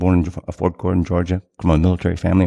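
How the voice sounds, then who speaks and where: A man speaks at a very fast pace in a very deep, low pitch with a dark, mellow tone. The sound is dry and close with no echo, over a quiet background. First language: English (speaking German). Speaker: US Army veteran. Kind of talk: casual interview.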